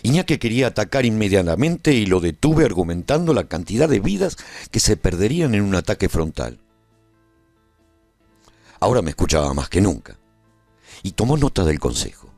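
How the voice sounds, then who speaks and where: A man playing a brave, lovestruck warrior who tells his own adventure in a radio serial, theatrical and husky, with measured dramatic pauses. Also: fairly low pitch, sing-song, darkish tone, dry recording, faint music behind. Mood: resolute. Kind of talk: dramatic scripted first-person radio serial narration.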